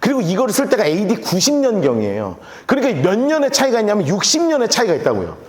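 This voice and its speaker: A man preaching a sermon in a church, animated and playful as he acts out scenes. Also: high-pitched, fast talker. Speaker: pastor. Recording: echoey church hall.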